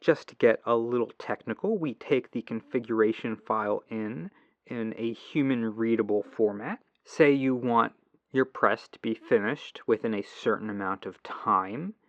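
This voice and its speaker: A man playing a patient, earnest tech-support agent in a gentle, reassuring ASMR phone roleplay, through a lo-fi telephone filter. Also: medium pitch, normal speed, dry recording. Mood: apologetic, explaining. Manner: gentle, reassuring, apologetic, musing to himself. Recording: lo-fi muffled telephone sound.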